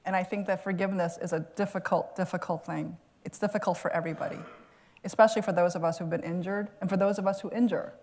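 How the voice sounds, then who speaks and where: A woman's voice: fairly low pitch, steady tone, quick pace, a little mellow. A woman author answering an audience question at a lecture, earnest and reflective, laughing now and then. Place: lecture hall.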